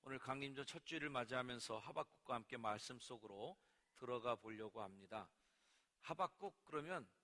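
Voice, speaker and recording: A man preaching a Sunday sermon as pastor of a church, lively and at times acting out angry cries to God. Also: mid-range voice. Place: church sanctuary. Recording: long reverb of a church sanctuary.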